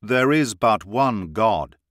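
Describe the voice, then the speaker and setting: A blunt barbarian, played by the male reader, speaks firmly, with stress on each word. His pace is slow and steady. The sound is dry and up close. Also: fairly low pitch, dry recording. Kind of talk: audiobook reading.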